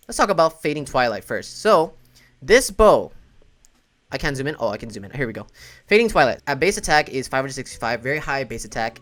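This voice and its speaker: A man's voice: mid-range voice, a bit bright. A man giving casual, opinionated game commentary in an informal way, thinking aloud as he goes. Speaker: gaming content creator and streamer. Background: background music.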